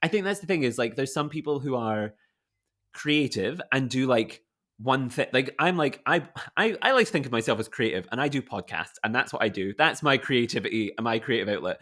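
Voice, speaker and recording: A man's voice: mid-range voice, animated, fairly quick, fairly bright tone. A young man hosting a conservation podcast, asking questions in a rambling, casual way full of restarts. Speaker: podcast host. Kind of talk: casual interview chat.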